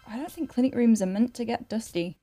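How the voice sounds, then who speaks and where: A woman's voice: a little high, lively intonation, fairly quick, dark tone, soft background music. A woman playing an awkward, apologetic new doctor in a science fiction audio drama, hesitant and rambling as she corrects herself. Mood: flustered, awkward. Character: nervous rookie woman doctor dictating letters, awkward, apologetic.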